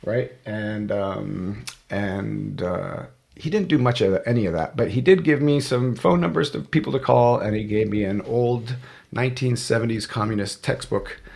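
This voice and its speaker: Gravelly, low-voiced man. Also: moderate pace, darkish tone. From United States. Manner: rambling, self-correcting storyteller with frequent fillers. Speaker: podcast guest. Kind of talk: casual conversational interview.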